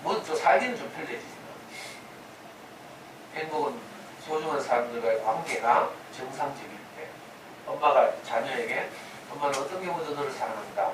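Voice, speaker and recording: A man's voice: medium pitch, animated, brisk. Man lecturing in an echoey room. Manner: conversational, rhetorical questions, acts out quoted voices. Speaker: lecturer in a parenting humanities class. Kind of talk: lecture with sermon-like storytelling. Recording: echoey room from a distance, noisy.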